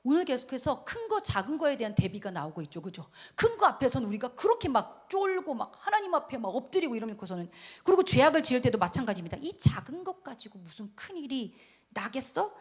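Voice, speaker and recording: A middle-aged woman pastor preaching a sermon in an animated way, acting out quoted voices and laughing often. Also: high-pitched, fast, few pauses, husky.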